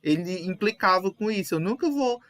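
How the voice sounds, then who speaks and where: A man's voice: sits high, expressive, normal speed, fairly bright tone, no echo. A young man explaining a lesson casually and patiently, correcting readers and dropping lots of fillers. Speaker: teacher leading a reading session.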